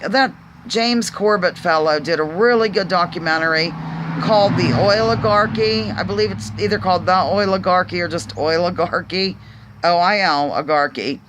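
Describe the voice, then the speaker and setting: A woman's voice: lowish voice, moderate pace, background noise. A woman with a Pennsylvania accent hosting her own vlog, talking casually to viewers in a rambling, hesitant way full of ums and restarts. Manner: earnest, questioning. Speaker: vlog host. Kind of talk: casual musing monologue to viewers.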